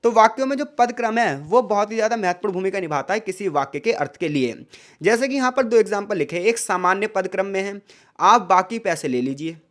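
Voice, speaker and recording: A man's voice: high voice, fast talker. A male tutor giving an exam-prep lecture, asking rhetorical questions, calling his listeners brother and mixing English words into his talk. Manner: mixes English words into Hindi.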